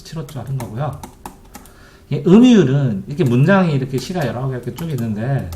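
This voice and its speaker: A man's voice: mid-range voice, dark tone. A middle-aged man tutoring Korean literature online, explaining terms and quizzing his students with repeated questions. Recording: echoey room, keyboard typing behind.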